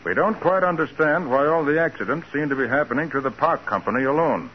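An actor playing a dogged, authoritative private detective in a brisk, insistent 1940s radio crime drama style. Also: male voice, a little high, lively intonation, close to an everyday voice. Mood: firm, challenging. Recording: muffled, noisy 1940s radio recording.

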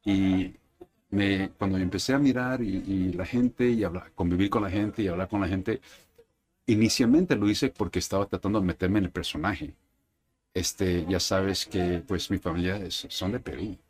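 Un hombre de Brooklyn, de lengua materna inglesa, que habla con calma en una entrevista. Tiene una voz más bien grave. Divaga sin prisa y mezcla palabras en inglés. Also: male voice, sits low, moderate pace. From Brooklyn, New York. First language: English. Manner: relaxed, rambling, mixes in English words. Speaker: actor, interview guest. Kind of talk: casual conversation. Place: indoor arcade.

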